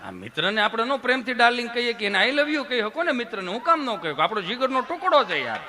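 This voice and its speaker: A man doing stand-up storytelling on stage, animated, swinging from soft asides to loud outbursts and calling the audience sir. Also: very high voice, fast, background noise. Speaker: stand-up comedian.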